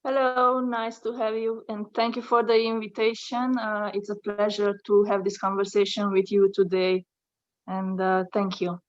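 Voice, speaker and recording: A woman's voice: mid-range voice, flat delivery, moderate pace, muffled recording. Hesitant Hungarian woman on a video call. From Romania. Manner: hesitant, many fillers, soft-spoken. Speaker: interview guest, abstract artist. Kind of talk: online video-call interview.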